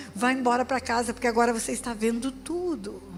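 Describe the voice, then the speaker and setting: A woman speaks in a high pitch over noticeable background noise. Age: 70s. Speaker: pastor. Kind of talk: sermon. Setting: church. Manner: impassioned.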